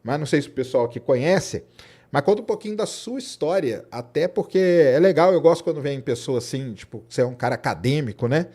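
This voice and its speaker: A man hosting a podcast interview, asking informal questions with frequent "né?" tags and quick reactions. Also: on the high side, lively intonation, a little mellow, husky. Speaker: podcast host. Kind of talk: casual interview chat.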